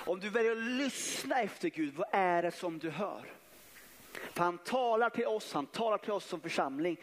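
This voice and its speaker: High-voiced man preaching in a church. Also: fairly bright tone, slight background noise. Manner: fervent preaching, reading scripture with emphatic pauses. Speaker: pastor. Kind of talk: sermon. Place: church sanctuary. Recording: long church reverb.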